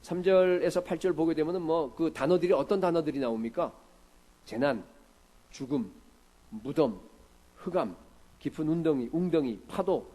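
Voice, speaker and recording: A male pastor giving a conversational sermon, often asking the congregation questions and moving between loud and quiet. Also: a little high, moderate pace, pauses often, low-quality recording. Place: church sanctuary.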